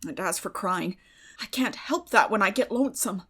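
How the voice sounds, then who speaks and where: A woman's voice: mid-range voice, animated, moderate pace, fairly bright tone, husky. A woman voicing a weary, bitter older farm woman in an audiobook, speaking in plain rural phrases with sad resignation. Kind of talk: dramatic audiobook reading.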